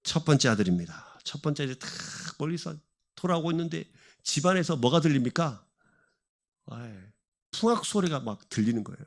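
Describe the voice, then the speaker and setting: Animated high-voiced male preacher. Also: brisk. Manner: animated, asks the congregation questions and answers them. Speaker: pastor. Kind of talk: sermon. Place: church sanctuary.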